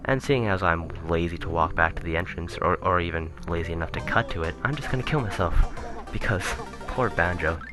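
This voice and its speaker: Deep-voiced man rambling over game music. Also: a little fast, few pauses. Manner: rambling, self-correcting, chuckling asides. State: voice getting raspy. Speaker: let's play commentator. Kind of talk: casual gameplay commentary. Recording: game music playing behind.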